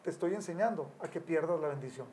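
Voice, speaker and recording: A man's voice: on the high side, fast talker, a little mellow. A man in his sixties, a family counselor, giving Christian teaching on parenting in a storytelling way. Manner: storytelling, acts out quotes with raised voice.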